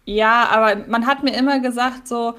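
A woman's voice: on the high side, steady tone, normal speed, fairly bright tone. Chatty woman podcast co-host. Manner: chatty, many fillers. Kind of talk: casual chat, recapping a radio-play episode.

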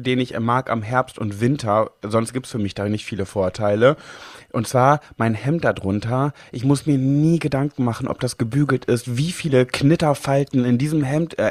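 A talkative man co-hosts a relaxed podcast chat, excitable and quick to laugh, his pitch leaping high and then dropping. He sits at mid pitch for a man. The sound is dry and close on a podcast microphone. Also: dry recording. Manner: chatty and excitable, with sudden swings in pitch; laughs often while talking. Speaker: podcast co-host.

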